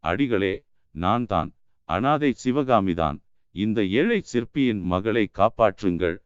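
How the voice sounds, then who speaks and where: A man's voice: fairly low pitch, expressive, takes it slowly, smooth, no echo. A man voicing a desperate young woman who pleads anxiously for rescue, in a dry, dull-sounding audiobook recording. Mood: desperate pleading. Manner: pleading, anguished.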